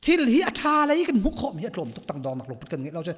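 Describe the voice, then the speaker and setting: High, lively preaching man in a church hall. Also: rapid-fire, slightly rough. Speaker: pastor. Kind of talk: sermon.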